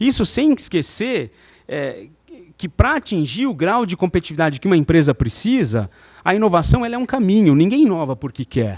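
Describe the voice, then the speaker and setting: Against a quiet background, a man's voice swings very widely in pitch, the sound dry and close with no echo. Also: moderate pace. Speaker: panel speaker at innovation event. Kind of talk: panel discussion. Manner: soft-spoken; halting, many fillers.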